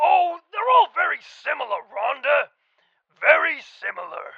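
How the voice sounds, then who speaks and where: Someone in a put-on character voice speaks at an extremely high pitch and a fairly slow pace. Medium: audio drama. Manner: confident, casually boastful.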